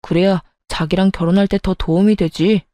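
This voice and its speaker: A woman's voice: lowish voice, steady tone, normal speed, dark tone, dry recording, pitched below the performer's own voice, close to an everyday voice. A woman voicing a cheating husband who talks in a curt, dismissive way. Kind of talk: story narration with acted voices.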